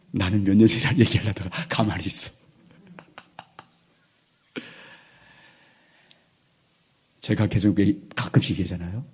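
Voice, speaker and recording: A man in his sixties, a pastor preaching a sermon in a church, moving between loud emphatic lines and hushed, near-whispered ones. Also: low voice, fairly even intonation, slow, long pauses, slightly rough. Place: church sanctuary.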